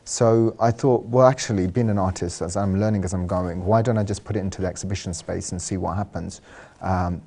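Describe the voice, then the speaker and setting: Low gravelly man. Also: steady tone, brisk, hardly any pauses, mellow. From London. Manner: thoughtful, uses fillers like um and you know. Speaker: artist and designer guest. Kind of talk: studio interview.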